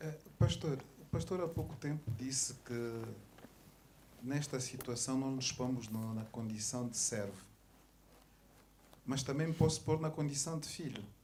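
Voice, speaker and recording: Somewhat breathy and at medium pitch, a man talks at a fairly slow pace with ordinary pitch variation and long, frequent pauses. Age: 60s. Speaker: church member in study panel. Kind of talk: group discussion.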